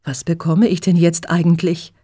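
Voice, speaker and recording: A woman's voice: lowish voice, flat delivery, normal speed, warm tone, husky. A woman voicing an eager but unsure young woman who asks many questions, in a storybook reading. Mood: curious.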